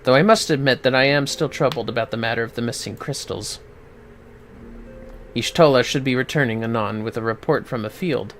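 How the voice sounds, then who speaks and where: A man's voice: mid-range voice, brisk, a bit bright, faint music behind, lightly acted. A man voicing a courtly, gracious fantasy noble from a video game, in theatrical, formal, archaic phrasing. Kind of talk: amateur voice acting of game dialogue.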